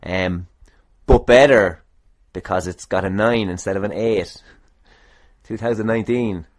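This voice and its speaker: A man's voice: lowish voice, unhurried. An Irish man hosting a podcast, chatting casually in a rambling, dry and self-deprecating way. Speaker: podcast host. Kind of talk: casual solo podcast talk.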